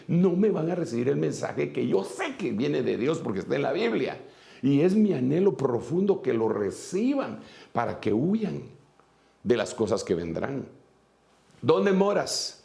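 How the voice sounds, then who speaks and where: Gravelly Guatemalan preacher man. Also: mid-range voice, dark tone. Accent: Guatemalan Spanish. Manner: earnest, repeats phrases for emphasis, fillers and restarts. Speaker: apostle and preacher. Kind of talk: sermon.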